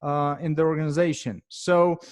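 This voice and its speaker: A man with a Ukrainian accent giving a presentation to a professional meetup as speaker and author, talking in a measured way with frequent pauses and filler sounds. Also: a little high, level tone, darkish tone.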